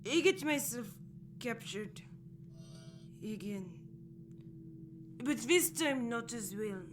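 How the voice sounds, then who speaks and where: A woman plays a young, sheltered boy in an audio drama, in a high voice. He is anxious and pleading, and he speaks in hesitant, halting phrases over faint music. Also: animated.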